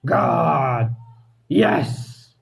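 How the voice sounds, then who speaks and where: A man voicing a gruff, stubborn old male painter who shouts in a storybook reading. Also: fairly high pitch, lively intonation, heavily acted. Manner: slow, shouting, gravelly.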